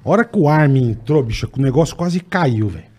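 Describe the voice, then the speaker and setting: A man with a Brazilian accent telling a wild party story in casual chat, animated and profane. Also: mid-range voice, fairly quick, breathy edge. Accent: Brazilian Portuguese.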